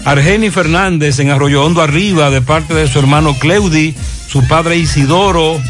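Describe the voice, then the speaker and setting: A Dominican man hosts a live morning radio show. His voice sits on the high side for a man. He chats and reads out greetings with music playing behind him. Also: normal speed.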